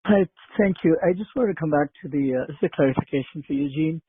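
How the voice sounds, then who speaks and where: A man, a financial analyst, asking probing, halting clarification questions on an earnings call. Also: a little high, husky, dry recording. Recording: dry, narrow phone line.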